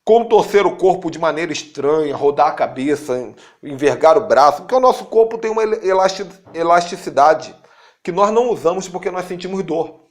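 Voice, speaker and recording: A man with a Brazilian Portuguese accent giving an informal spiritual teaching, animated and repetitive, speaking straight to his listeners. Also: a little fast. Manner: animated, acts out quotes with sudden high-pitched jumps; repeats words for emphasis, addresses listeners directly. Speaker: apostle teaching a course.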